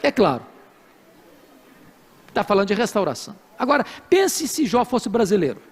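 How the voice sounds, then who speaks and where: Brazilian man, pastor, very high voice, preaching in a reverberant hall with a faint congregation; lively, humorous storyteller. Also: normal speed, some chatter behind. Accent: Brazilian Portuguese. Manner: animated, humorous storytelling with acted quotes. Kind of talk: sermon. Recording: live hall with long reverb.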